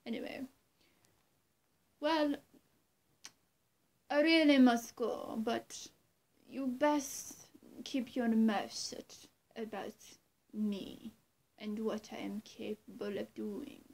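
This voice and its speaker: Casting: young woman acting female vampire for listener roleplay; higher-pitched, unhurried, teasingly menacing, dropping toward a whisper. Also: steady tone, a little mellow, exaggerated voice. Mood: mock sweet. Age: young adult. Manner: halting, teasing threats with long pauses, often dropping to breathy near-whisper. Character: menacing, two-faced female vampire, sweet then threatening. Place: small room at home, indoors.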